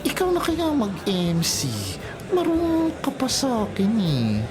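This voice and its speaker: A man's voice: very high voice, wildly swooping pitch, takes it slowly, exaggerated voice. A man playing a flamboyant, teasing gay wedding emcee in a radio drama, with campy, theatrical announcing. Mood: sassy annoyed. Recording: music behind the voice.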